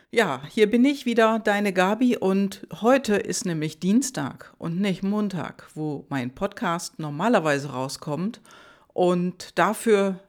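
A woman hosting her own podcast, talking directly to the listener in a chatty, reflective monologue full of rhetorical questions. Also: mid-range voice. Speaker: podcast host.

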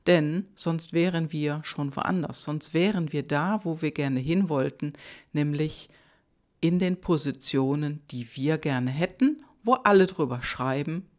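Unhurried chatty woman podcaster. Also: sits low, a little mellow. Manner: chatty, direct address to the listener, rhetorical questions. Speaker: podcast host. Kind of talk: solo podcast monologue.

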